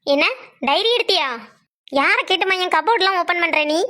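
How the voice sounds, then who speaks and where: A woman's voice: very high-pitched, normal speed, pushed and bright. A woman doing a sulky young son. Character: young adult male son, an office worker, defensive and lovestruck.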